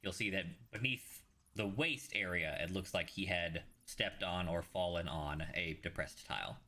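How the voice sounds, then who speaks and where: A man runs a tabletop fantasy game as game master. His voice is deep with a bright, sharp edge. He narrates haltingly, making it up as he goes. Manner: halting, improvised delivery.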